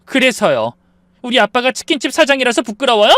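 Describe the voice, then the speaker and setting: Man doing a young wife voice, high and lively, hurt and fed up, dry sound. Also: fairly quick, no room sound. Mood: indignant. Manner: pleading, indignant.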